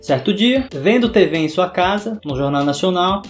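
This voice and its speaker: Young guy, high voice, bahian sertanejo accent, dramatic scripted narration, soft guitar behind. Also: animated, moderate pace. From interior of Bahia, Brazil. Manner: dramatic, theatrical delivery. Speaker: book vlogger. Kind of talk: scripted video essay narration.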